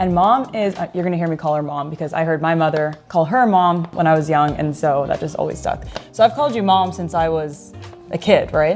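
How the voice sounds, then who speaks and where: Fairly quick speech from a woman with a fairly low pitch and ordinary pitch variation, music in the background. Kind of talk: casual interview host talk to camera.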